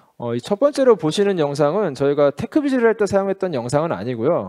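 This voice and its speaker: With very wide pitch swings, a man speaks in a dark, mellow tone, the sound dry and close with no echo. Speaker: conference speaker, tech studio research head. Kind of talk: conference presentation. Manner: fast.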